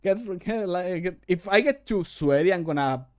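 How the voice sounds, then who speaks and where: Working on a livestream in a small indoor room at home, this hobby modder and streamer in his thirties, a native Spanish speaker, records voice lines and chats casually. His voice sits high and sounds animated, darkish, and clean at a normal speed, and he thinks aloud with self-deprecating humor.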